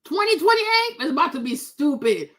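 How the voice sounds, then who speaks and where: Bright high-voiced woman, loud and exclaiming. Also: very animated, moderate pace. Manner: loud, exclaiming, laughing often. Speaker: commentator reacting to a video. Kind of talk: casual reaction commentary.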